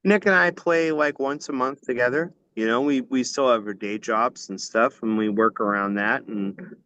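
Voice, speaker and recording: A man's voice: mid-range voice, normal speed, sharp tone, smooth, dry recording, poor audio. A man in his forties chatting loosely as a podcast guest, rambling and cursing casually. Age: 40s. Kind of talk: casual chat.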